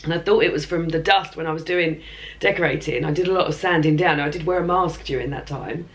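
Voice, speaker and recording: A hoarse woman with a chesty cough, chatting casually to camera in a rambling reading vlog from her bed at home, with plenty of ums and throat clearing. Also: sits low, quick pace. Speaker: book vlogger.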